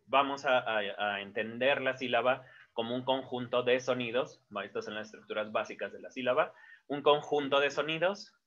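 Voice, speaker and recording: Bright-voiced male teacher. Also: mid-range voice. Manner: explanatory, with frequent fillers and self-corrections. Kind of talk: casual whiteboard lesson. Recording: dull lo-fi sound.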